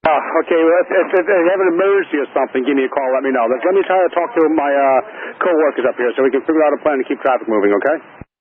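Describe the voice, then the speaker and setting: Fast-talking male controller on tinny radio. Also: a little high. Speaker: air traffic controller. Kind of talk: radio traffic control, informal. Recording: tinny aviation radio with faint hiss.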